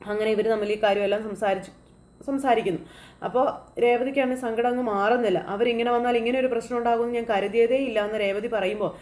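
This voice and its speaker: A fast, chatty woman from Kerala retelling a TV serial in an easy conversational flow. Her voice sits a touch high, and she rattles through each scene while quoting the characters' lines. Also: steady tone, a little mellow. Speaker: serial recap narrator. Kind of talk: casual spoken recap of a TV serial.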